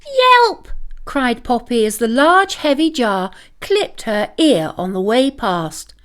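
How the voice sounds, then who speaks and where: A woman reading a scripted children's story aloud as a dramatic, expressive storyteller. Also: on the high side, slow pace.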